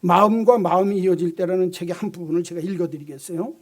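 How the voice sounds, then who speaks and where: A man's voice: high voice, fairly even intonation, fast talker, a little mellow. A male pastor preaching a sermon with emphasis, often asking the congregation rhetorical questions.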